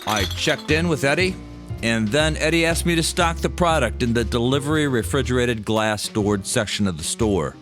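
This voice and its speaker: A man narrating a scripted personal story with dramatic pauses and wry amusement, as a storyteller recalling his own past. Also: mid-range voice, lively intonation, fairly bright tone. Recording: music behind the voice. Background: music bed.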